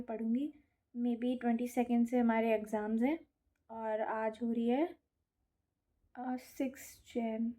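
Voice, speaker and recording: A woman's voice: fairly high pitch, warm tone. A young adult woman vlogger chatting casually about her day, chatty and self-mocking, mixing in English words. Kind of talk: casual vlog chat.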